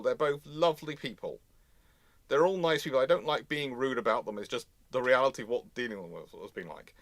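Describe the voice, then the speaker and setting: A man's voice: medium pitch, a bit bright, no echo. Man, British accent, live stream host, rambling explainer, mid-range voice, dry recording. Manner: rambling, repeats and rephrases himself. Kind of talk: unscripted live chat and explanation.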